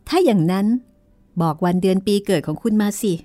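A woman voicing a travelling-troupe owner who tells fortunes, speaking slowly and sympathetically. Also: mid-range voice, expressive, mellow, faint music behind, close to an everyday voice. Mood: gentle.

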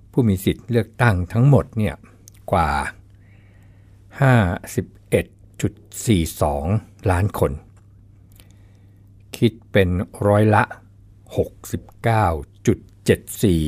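A man hosts an informational radio program in a low, grounded voice. He speaks in a measured, courteous manner and steadily reads out numbers and percentages. The delivery is scripted and even. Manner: measured, polite, reads out statistics. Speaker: radio host.

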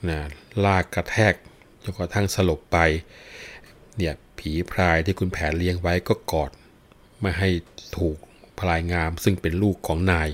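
A man with a fairly low voice narrates an old folk tale. He tells it in a lively, dramatic way, leaning on the key moments. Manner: breaks into chanted verse recitation. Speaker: storyteller. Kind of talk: retelling a classic folk tale.

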